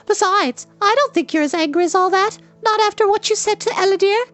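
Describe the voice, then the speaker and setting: A man's voice: very high-pitched, a little fast, a bit bright, soft background music, voice pushed up. A man voicing a spirited, talkative young girl who teases and scolds. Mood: teasing chatter.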